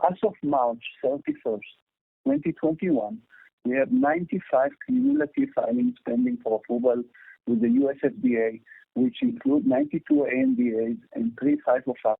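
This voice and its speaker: A man's voice: very high-pitched, gravelly, husky, no room sound. A man with an Indian accent reading a formal earnings presentation as a company executive over a phone line, stumbling over some words. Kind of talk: scripted earnings call presentation. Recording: thin, phone-like conference line.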